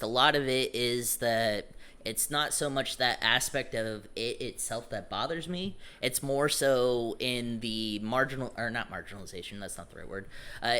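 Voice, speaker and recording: A young man with a bright, clear voice talks to a small group in a loose, rambling way. He often restarts his sentences and swears freely. His tone is frank and personal. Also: mid-range voice. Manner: rambling, self-correcting, frank and profane. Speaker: meetup attendee introducing himself. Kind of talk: casual group talk.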